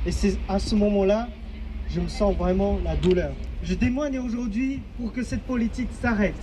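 A young man from Inner Mongolia in China, whose first language is not French, giving a slow, halting and earnest personal testimony at a public event. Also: very high voice, background noise. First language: a language of his home village.

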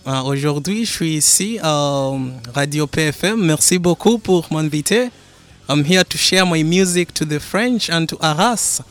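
A man's voice: fairly high pitch, measured pace, a bit bright, soft background music. A young man from Kenya, a Swahili native speaker, answering a radio interview as a musician and English teacher, speaking carefully in a second language. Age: young adult. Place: radio studio.

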